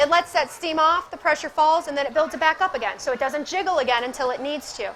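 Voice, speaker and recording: A woman speaks loudly and very fast at a high pitch, animated in tone. Her pitch varies in an ordinary way, and there is noticeable background noise. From Upper Peninsula of Michigan. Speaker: canning instructor. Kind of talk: live demonstration.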